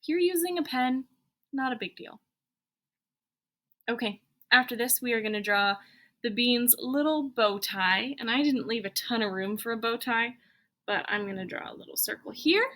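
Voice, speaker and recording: Bright, higher-voiced woman teaching. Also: moderate pace. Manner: encouraging, simple instructions, thinking aloud while drawing. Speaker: elementary school teacher. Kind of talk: step-by-step guided drawing lesson for children.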